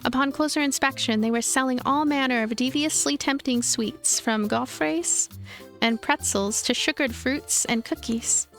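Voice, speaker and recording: A woman's voice: sits high, measured pace, a bit bright, soft background music. A woman streamer reading a visual novel aloud as narration, with casual asides. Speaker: let's play streamer.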